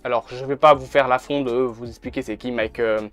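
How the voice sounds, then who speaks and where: Recorded on a camera mic over faint background music, this male YouTuber speaks fairly quickly in a steady, medium-pitched, fairly bright voice. His casual video commentary is blunt and sprinkled with occasional swearing.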